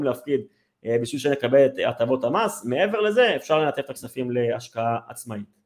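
Here a man speaks at a fairly quick pace with lively intonation. He has an unremarkable speaking voice. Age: 20s. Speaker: finance community manager. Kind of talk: interview.

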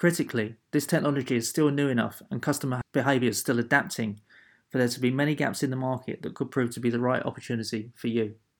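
Speaking with an Essex accent at a very fast pace, a man keeps a medium pitch and fairly even intonation. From Essex, England. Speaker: podcast host and author. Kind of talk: scripted podcast introduction.

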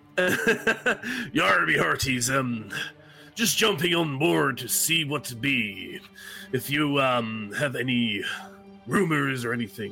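A put-on character voice moves at a very slow pace with long, frequent pauses. Clear music plays in the background. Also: man, medium pitch for a man. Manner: jovial, swashbuckling.

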